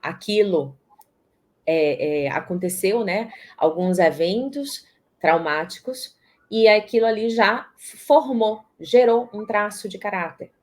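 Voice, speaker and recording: A woman from Salvador, talking expressively in an interview and often restarting her words. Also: mid-range voice. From Brazil, Salvador, Bahia. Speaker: guest, systemic positioning strategist. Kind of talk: casual interview talk.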